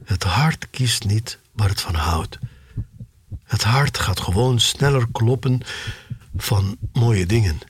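A man's voice: fairly low pitch, expressive, takes it slowly, slight background noise. A man acting as a nostalgic, obsessive black-market sneaker trader in a futuristic radio play, telling his story in a wry, confiding way. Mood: wistful. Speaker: voice actor in an audio drama. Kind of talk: dramatic monologue in a radio play. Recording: loud music under the voice. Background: loud music.

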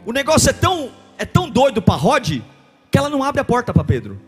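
A Brazilian man preaching a sermon, dramatic, dropping to hushed murmurs and rising to shouts. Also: extremely high pitch, wildly swooping pitch, fast, slightly rough, faint music behind. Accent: Brazilian Portuguese.

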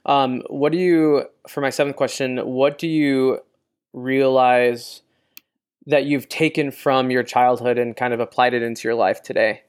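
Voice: mid-range voice, steady tone, measured pace, clean tone. An interviewer asking numbered questions in an upbeat, encouraging manner.

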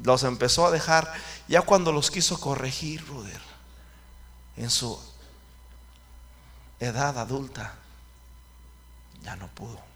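A man's voice: medium pitch, slow pace, long pauses, fairly bright tone. A man preaching a fervent sermon who keeps calling out to his listeners as brothers. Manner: fervent, calls out to the congregation often.

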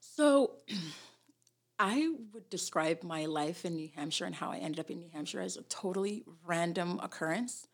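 A woman from Somalia and Tennessee with a husky voice, telling her story casually as an interview guest. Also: on the low side, measured pace. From born in Somalia, grew up in Tennessee, US. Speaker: interview guest, immigration lawyer.

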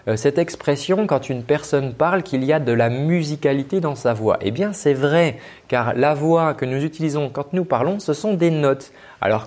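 A man working as a vocal coach, giving a spoken lesson with frequent hesitations and demonstrating flat and lively ways of speaking. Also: mid-range voice.

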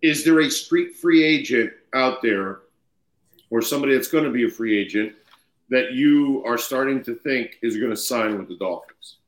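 A man's voice: medium pitch, moderate pace. A man co-hosting a casual sports podcast, teasing and joking, his voice heavy with room echo. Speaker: podcast co-host. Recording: echoey room, remote call.

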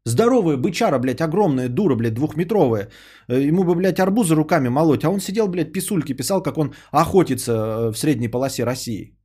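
A man's voice: on the high side, animated, a little fast, dark tone, slightly rough. A man, a podcaster and streamer, ranting in a sarcastic, indignant tone and swearing freely as he answers a viewer.

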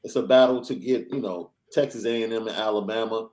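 Energetic man hosting a sports podcast. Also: fairly low pitch, a little fast. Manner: energetic, reads news and ad reads. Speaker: podcast host. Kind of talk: casual sports podcast chat.

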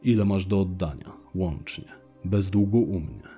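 A man voicing an angry, menacing gangster who speaks in slow, clipped threats and swears. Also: deep voice, dark tone, faint music behind. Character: angry middle-aged male gangster, menacing.

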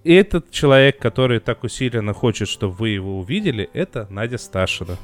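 A man hosting a podcast, wrapping up the episode with jokes and thanks, often pausing with fillers. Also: fairly low pitch, lively intonation, soft background music. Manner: joking, with many filler pauses. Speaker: podcast host. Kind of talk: casual podcast outro chat.

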